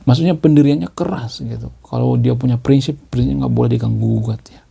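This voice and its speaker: A man's voice: mid-range voice, fairly even intonation, fast talker, creaky, mellow, slightly rough. A man giving a leisurely monologue commentary, explaining his views and tagging his phrases with a questioning "ya", often repeating key words. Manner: explanatory, ends phrases with a tag "ya".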